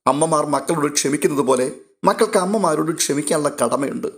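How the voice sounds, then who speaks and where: A man reading a story aloud and voicing a caring young woman who gently coaxes a younger girl. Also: on the high side, fairly quick, natural voice. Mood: coaxing.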